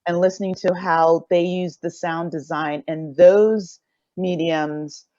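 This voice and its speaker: A woman's voice: fairly low pitch, steady tone, slow pace, mellow, dry recording, dull audio. A middle-aged woman speaking as a creator on a casual panel, rambling and thinking aloud hesitantly. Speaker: audio drama creator on a panel.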